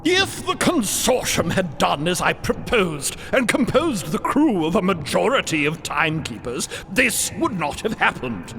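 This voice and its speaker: Pompous, grandiloquent count for audio drama; high, theatrical, wildly animated delivery. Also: male voice, unhurried, gravelly, hardly any pauses, big-room sound, a little hiss or hum, exaggerated voice. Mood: stern, lofty. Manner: grandiloquent, theatrical, bellowing outbursts. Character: pompous, blustering old count of timekeepers, male commander. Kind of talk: audio drama character acting.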